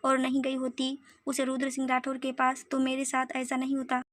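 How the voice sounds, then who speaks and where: An upset young woman heroine in a storybook reading, voiced by a woman narrator. Her voice is high and flat in pitch, and dry. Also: a little fast, dry recording. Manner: tearful, touchy.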